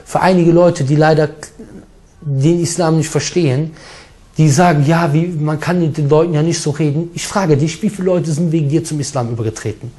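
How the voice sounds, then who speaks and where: German guy preaching hard, warm low-ish voice, lots of emphasis. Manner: forceful, emphatic preaching with Arabic recitation and mocking impressions. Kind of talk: sermon.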